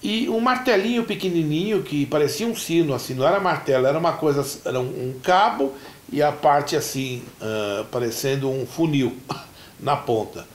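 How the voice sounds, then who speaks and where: Brazilian pastor telling a story in church, acts out the voices, kinda high pitched, echoey hall. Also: male voice, normal speed. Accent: Brazilian Portuguese. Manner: animated storyteller who acts out dialogue. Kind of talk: sermon storytelling. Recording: roomy church echo.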